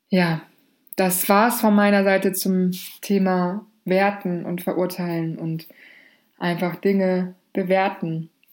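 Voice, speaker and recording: Over a silent background in a very clean recording, a woman with a medium pitch speaks very slowly in a monotone, flat intonation, leaving long, frequent pauses. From Germany, rural village. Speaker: podcaster. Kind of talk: personal monologue podcast.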